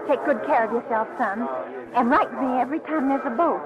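Woman as gentle, hesitant mother, noisy old radio. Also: high-pitched, brisk, lo-fi sound, close to an everyday voice. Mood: tender, sad. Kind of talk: old-time radio acting.

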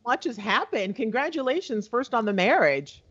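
A woman's voice: a little high, big pitch swings, normal speed, fairly bright tone, husky, dull audio. A woman co-hosting an interview, playful and enthusiastic, laughing lightly between remarks. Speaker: radio show co-host. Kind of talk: casual interview chat.

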